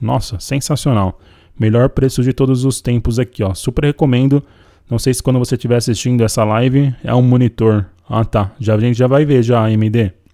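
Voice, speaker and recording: A man with a Brazilian accent speaks in a medium pitch and a dark, mellow tone over a quiet background. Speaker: live-stream product promoter. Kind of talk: sales pitch during a live stream, hyping a flash deal. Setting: live stream with chat. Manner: fast, excitable, repetitive hard-sell; enthusiastic, urging viewers to click the link. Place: home room. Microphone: studio mic.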